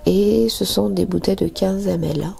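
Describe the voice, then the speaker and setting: A woman reviewing nail gels and narrating a nail tutorial, hesitant with many fillers and soft half-whispered asides. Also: medium pitch, fairly even intonation, moderate pace, gravelly. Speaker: nail artist reviewing products. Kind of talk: product review and tutorial voice-over.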